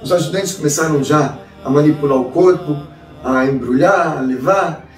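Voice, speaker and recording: Brief: animated Brazilian rabbi storyteller, recorded from a distance with faint music. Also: male voice, fairly high pitch, moderate pace, reverberant. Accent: Brazilian Portuguese. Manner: animated, rhetorical questions. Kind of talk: dramatic storytelling. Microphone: distant mic.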